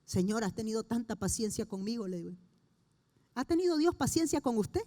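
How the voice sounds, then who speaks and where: A middle-aged woman pastor delivers a sermon. Her voice sits high, and she speaks earnestly, stretching key phrases with slow, emphatic pauses. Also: very animated, warm tone.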